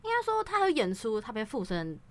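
A woman with a Taiwanese Mandarin accent in a casual chat, chatty and quick to jump in and finish others' sentences. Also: a little high, huge pitch swings, a bit bright, slight background noise.

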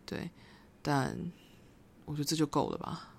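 Low-voiced and creaky, with huge pitch swings at a normal speed, a young podcast host with a Taiwanese Mandarin accent delivers a casual solo monologue against slight background noise. Her talk is reflective and meandering, with English phrases mixed in.

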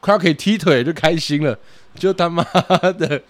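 A man who coaches boxing, chatting casually on a podcast, telling lively anecdotes and swearing for comic effect. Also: fairly high pitch, normal speed, dry recording.

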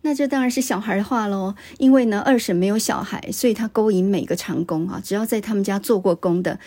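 A woman's voice: mid-range voice, fairly quick, dark tone. A woman hosting a literature podcast, retelling a story and commenting on it in a chatty way, adding little particles. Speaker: podcast host discussing literature.

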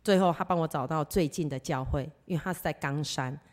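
Low-voiced woman sharing her testimony. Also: brisk, darkish tone. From Taiwan. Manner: earnest storytelling, acts out quoted dialogue. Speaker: church member giving testimony. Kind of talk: personal testimony.

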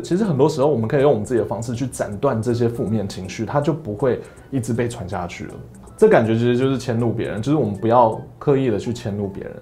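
A young man with a Taiwanese Mandarin accent, hosting a casual solo podcast and telling stories animatedly, acting out other people's lines in raised voices. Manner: animated storytelling, acts out quotes with high voices. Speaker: podcast host.

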